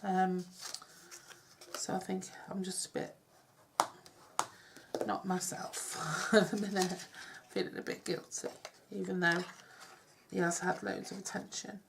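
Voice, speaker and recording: A middle-aged woman with a cold, chatting her way through a craft demonstration with soft, self-deprecating asides. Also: fairly low pitch, little pitch movement, unhurried, creaky, long pauses, noisy background. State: congested with a cold. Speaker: craft tutorial host. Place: home craft table. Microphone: overhead camera on hands, speaker off-screen.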